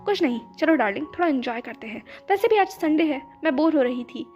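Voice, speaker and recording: A woman voicing a cheerful tomboy, high and playful. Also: animated, brisk. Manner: playful, teasing, turns fiercely serious. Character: cheerful tomboyish young woman, bold and possessive. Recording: dull lo-fi with background music.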